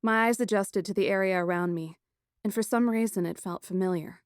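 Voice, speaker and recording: A woman reading a first-person fantasy story as an audiobook narrator, dramatic and expressive. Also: mid-range voice, a little fast, no echo, studio quality.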